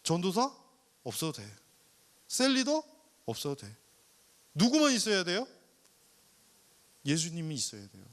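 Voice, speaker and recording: A male pastor preaching to a young adults service, animated, firing rhetorical questions and acting out people's complaints and prayers. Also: a little high, unhurried, pauses often. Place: church worship service.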